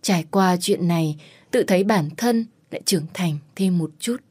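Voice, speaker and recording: A woman narrating a first-person novel in a sorrowful, measured way. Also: fairly low pitch, a little mellow, slightly rough. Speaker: audiobook narrator.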